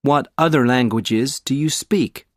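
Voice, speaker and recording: A man's voice: medium pitch, measured pace, no room sound, clean studio sound. A man in the role of examiner, reading out exam questions plainly and evenly.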